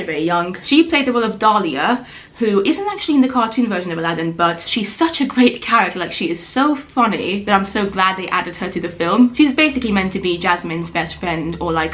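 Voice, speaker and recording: Young woman, Persian as first language, chatty and expressive, talking straight to camera in a small room. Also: mid-range voice. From Iran. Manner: chatty and expressive, with lively gestures. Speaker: film reviewer. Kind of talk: casual vlog review. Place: small hotel room, indoors. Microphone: camera in front at close range.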